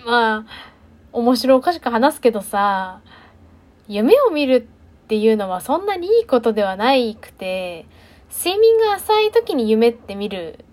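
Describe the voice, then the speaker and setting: Chatty young woman, fairly high voice. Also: darkish tone. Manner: chatty, self-deprecating, many fillers. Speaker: podcast host. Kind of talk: casual solo monologue.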